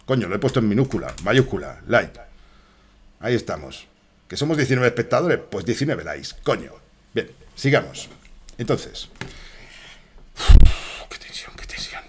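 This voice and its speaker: A man with a Spain Spanish accent, commenting live on a horror game he is playing, with frequent swearing and excited outbursts at enemies and chat. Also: on the low side, normal speed, slight background noise. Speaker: streamer.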